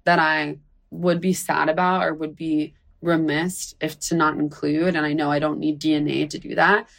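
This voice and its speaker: Gravelly, chatty woman. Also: low-pitched, flat delivery, moderate pace. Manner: chatty and warm, rambling with fillers. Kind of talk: casual chat.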